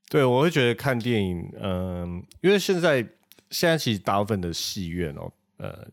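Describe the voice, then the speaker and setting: A man with a Taiwanese accent talks in a casual, conversational way. His voice sits low and has a noticeable gravelly fry, recorded close and dry. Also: sing-song, unhurried, dry recording. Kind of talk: casual chat.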